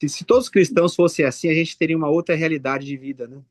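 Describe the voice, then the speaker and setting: Rambling pastor telling a story. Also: male voice, a little high, fairly even intonation, quick pace, no echo, studio quality. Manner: rambling, searching for names mid-sentence. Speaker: pastor leading a Bible study. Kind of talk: storytelling in a Bible study.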